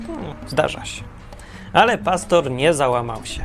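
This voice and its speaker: A man narrating a parable in a wry, deadpan storytelling manner. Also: on the high side, a little slow, soft background music. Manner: wry, deadpan humor with self-corrections.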